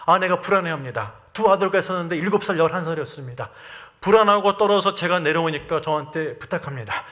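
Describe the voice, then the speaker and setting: A man's voice: on the high side, fast talker, fairly bright tone. A middle-aged man from Korea preaching a sermon as a missionary, telling his story with earnest rhetorical questions to the congregation.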